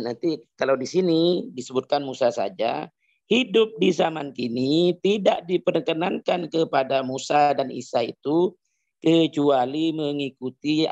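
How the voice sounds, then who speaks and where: Guy w explaining hadith, slightly high voice, goes thru long source lists, kinda muffled lo-fi audio. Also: vocal fry, a little mellow. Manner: cites hadith sources at length, recites Arabic. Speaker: Islamic teacher. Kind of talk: religious explanation to a guest. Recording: dull lo-fi sound.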